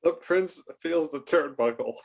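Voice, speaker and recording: A man with a slightly high voice narrates stage directions at a slow pace. He sounds informal and amused, as in a casual staged reading. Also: vocal fry.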